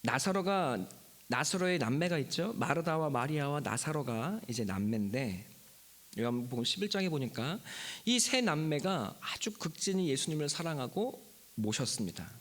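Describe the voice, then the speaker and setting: A male pastor gives a sermon in a fairly high, very animated voice. He stretches key phrases slowly, then sinks to a hushed whisper, and he acts out the story's characters for his listeners. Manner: emphatic preaching that drops to a hushed whisper for key words; retells a Bible story, acting out its figures' lines. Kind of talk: Easter sermon.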